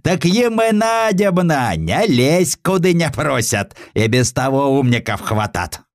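A man's voice: fairly high pitch, big pitch swings, unhurried, no room sound, studio quality, voice pushed up. A man voicing a smug, mocking provincial townsman with drawling, folksy rustic speech in an audiobook. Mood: mocking amusement.

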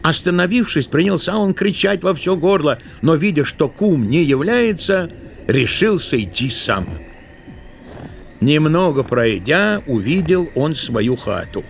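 High-pitched, lively male storyteller. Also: a little slow, gravelly, a little hiss or hum. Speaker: narrator. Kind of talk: expressive storybook narration in an audio drama.

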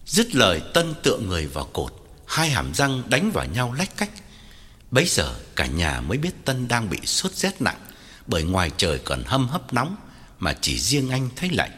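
A man's voice: medium pitch, wildly swooping pitch, moderate pace, pushed and bright, husky. A man narrating a story with dramatic, widely varied delivery. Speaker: audiobook narrator. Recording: long hall reverb, faint music.

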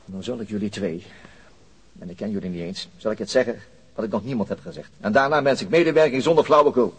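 An actor playing a middle-aged, weary police chief inspector in a radio drama, curt, dry and businesslike. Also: male voice, on the low side, fast talker, breathy edge, long reverb tail. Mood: irritated, frank.

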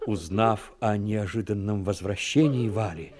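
A man giving dramatic scripted narration for an audio play, measured and literary. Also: lowish voice, a little mellow. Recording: music behind the voice.

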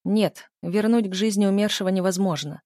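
A woman's voice: medium pitch, moderate pace, warm tone, no echo, studio quality, close to an everyday voice. A woman narrating an audiobook voices a cold, commanding male necromancer who speaks in a clipped, controlled way.

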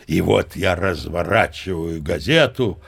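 A man's voice: low-pitched, expressive, a little slow, gravelly, a little hiss or hum, heavily acted. An actor playing a boastful old sea captain who tells tall tales expressively in an audio play, savoring his words. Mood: leisurely reminiscing. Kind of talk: theatrical storytelling in an audio play.

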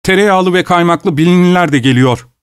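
A man's voice: high-pitched, fairly quick, smooth, no room sound, clean studio sound, voice pushed up, lightly acted. A man voicing a wealthy male host who forces cheerful politeness while fury builds, his manner strained and overly courteous. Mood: forced cheer. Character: rich host forcing cheer through rising fury, male.

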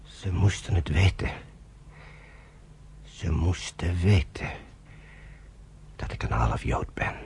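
An actor playing a troubled half-Jewish British general in a Dutch radio drama, talking in a brooding way that sinks into hushed whispers. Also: male voice, low voice, expressive, slow, vocal fry, long pauses, a little hiss or hum, exaggerated voice. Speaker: general and narrator.

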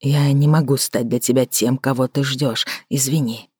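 A woman narrator voicing a calm, restrained man who speaks quietly and in a measured way. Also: very deep voice, husky, no echo, studio quality. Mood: restrained, soft. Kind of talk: audiobook character voicing.

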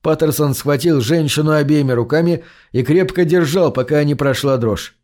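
A man narrating a science fiction story in a steady, measured reading. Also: on the high side. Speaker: audiobook reader. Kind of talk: scripted narration.

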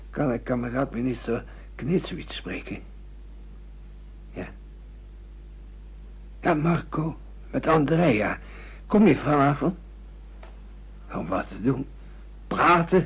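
Worn-out old dad, really raspy and breathy, stubborn, muffled old radio drama sound. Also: male voice, fairly high pitch, full character voice. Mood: nostalgic, pleading. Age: older. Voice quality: husky, breathy. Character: stubborn weary father being re-educated after an accident. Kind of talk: radio play acting. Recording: dull lo-fi radio play recording.

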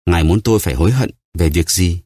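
A man voicing a starving male prisoner who stammers and begs for his life, in a dry, low voice. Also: quick pace, mellow, dry recording. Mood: pleading. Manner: pleading, stammering.

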